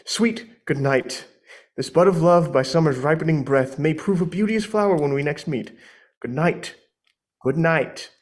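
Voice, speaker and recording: Man playing a lovestruck, high-voiced young Juliet. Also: normal speed, natural voice. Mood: cautious, tender. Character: young woman Juliet, lovestruck, earnest, impulsive. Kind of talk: live amateur Shakespeare reading.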